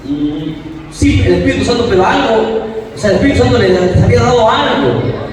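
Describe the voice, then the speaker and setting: A man with a high voice preaches an interactive sermon in a church meeting room, quizzing his listeners and calling on them by name. He is emphatic, moving between loud and soft. He sounds far from the mic in a very echoey hall with long reverb and a faint background hiss. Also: lively intonation, normal speed. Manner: questions the congregation and calls on members by name.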